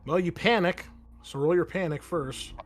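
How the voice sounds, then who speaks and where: A man's voice: a little high, moderate pace, a little hiss or hum. A man running a tabletop roleplaying game as game master, explaining rules and outcomes in a conversational way.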